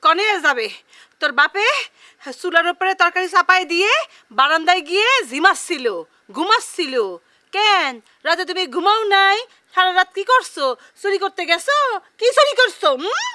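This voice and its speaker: An actress playing a sharp-tongued, middle-aged village housewife and mother who scolds in a dialect, quick to anger. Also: very high-pitched, expressive, heavily acted. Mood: scolding. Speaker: mother and wife in a TV serial. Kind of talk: TV drama acting. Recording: background music under the dialogue. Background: music.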